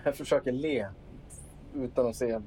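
A man playing a tabletop game, calmly describing his character's actions step by step. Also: mid-range voice, slight background noise. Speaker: player.

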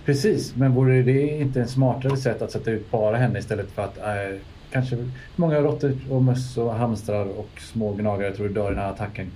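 A man's voice: fairly low pitch, fairly even intonation, hardly any pauses, dark tone, slight background noise. A man playing a tabletop game in character, persistent and argumentative. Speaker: player.

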